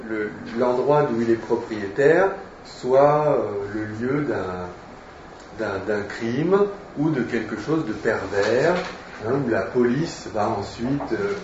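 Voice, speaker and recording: A male teacher giving a literature lecture, explaining at a slow, hesitant pace with frequent fillers. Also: medium pitch, a little mellow, slight background noise. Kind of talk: literature lecture, reading aloud. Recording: echoey room, distant mic, dull sound.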